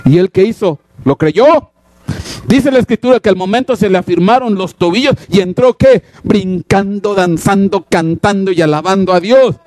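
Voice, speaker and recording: A male preacher giving an impassioned sermon, full of rhetorical questions and sudden shouts. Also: sits high, moderate pace, dry recording.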